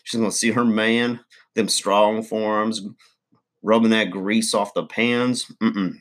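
A man's voice: lowish voice, steady tone, slow, a bit bright. A man playing a crude, boastful middle-aged redneck uncle, rambling folksy advice in a comedy monologue.

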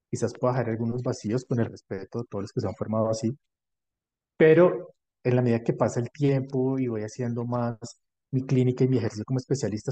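A Colombian man speaks as an interview guest in a dark, relaxed voice of medium pitch. He explains his professional experience conversationally, in measured phrases. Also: husky, dry recording. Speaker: podcast guest, dentist specialised in prosthodontics and implants.

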